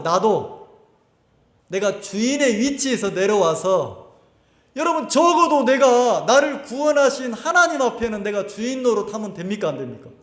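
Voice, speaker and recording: A male pastor preaching a sermon, putting rhetorical questions to the congregation and acting out the voices of churchgoers. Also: high-pitched. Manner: asks the congregation rhetorical questions and answers them; acts out quoted voices of churchgoers. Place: church hall at a summer camp. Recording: echoey hall.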